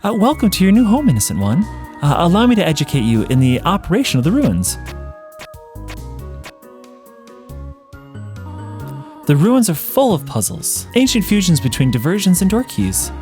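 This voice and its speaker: A man voicing a gentle, motherly female monster caretaker from a game, doting and formal in manner. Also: high-pitched, wildly swooping pitch, fairly quick, soft background music, pitched above the performer's own voice. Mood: formal, instructive. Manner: formal, careful, reassuring phrasing. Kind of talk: game dialogue read-along.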